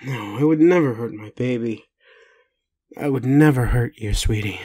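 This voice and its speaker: A man playing a groggy, gentle, doubting werewolf in an intimate audio roleplay, speaking tenderly and haltingly to the listener as a doting caregiver. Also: mid-range voice, natural voice. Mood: confused, gentle.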